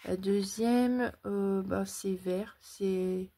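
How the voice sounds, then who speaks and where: A woman talks through her holiday craft haul in a relaxed, casual way. She speaks in a middle pitch and searches for words often, filling pauses with little hesitations. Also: a little hiss or hum. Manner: hesitant, many fillers, describing items slowly. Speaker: craft YouTuber.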